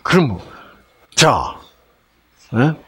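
A man's voice: mid-range voice, huge pitch swings, drawn-out words, slightly rough. A man preaching a sermon-style health lecture, quizzing the congregation and joking with dialect words. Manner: quizzes the audience with questions and plays with dialect words.

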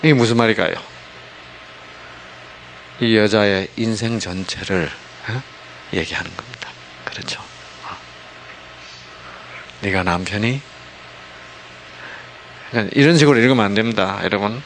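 A man preaching a sermon, asking the congregation constant rhetorical questions and dropping from loud emphasis to hushed asides. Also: lowish voice, unhurried, long pauses, a little hiss or hum. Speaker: pastor.

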